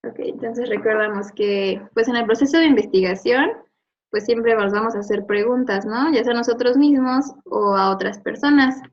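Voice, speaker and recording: A woman's voice: a little high, moderate pace. A woman teacher, patiently going over a lesson with a student, explaining with examples and checking in with short questions. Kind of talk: remote review lesson. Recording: dull lo-fi audio.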